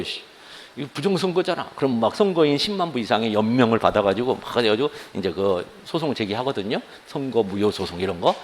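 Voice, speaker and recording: Middle-aged guy lecturing law students, voice jumps all over, plays out their gripes. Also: mid-range voice. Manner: lively, acts out students' grumbles in asides. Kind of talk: classroom lecture.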